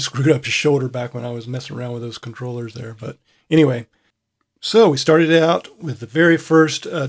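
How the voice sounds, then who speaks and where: Relaxed man thinking aloud in a tutorial. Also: mid-range voice. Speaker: software tutorial host. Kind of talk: casual screen-recorded tutorial.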